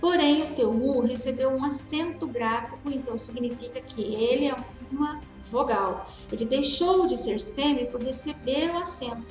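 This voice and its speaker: A woman with a Brazilian Portuguese accent teaches a grammar review lesson, slowly drawing out examples and calling her students dear. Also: high voice. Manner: patient, drawn-out spelling of examples, calls students dear. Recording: roomy echo with faint music.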